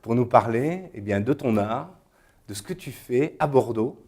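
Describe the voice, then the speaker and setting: A host of a small web TV studio show speaks at a middle pitch. The host welcomes guests and moves the interview along with brief prompts and questions. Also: animated, moderate pace, a little mellow, husky. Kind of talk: hosting an interview.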